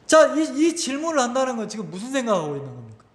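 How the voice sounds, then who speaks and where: A man pastor, giving a conversational, animated sermon full of rhetorical questions in a church. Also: extremely high pitch, racing. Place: church sanctuary. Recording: echoey church hall.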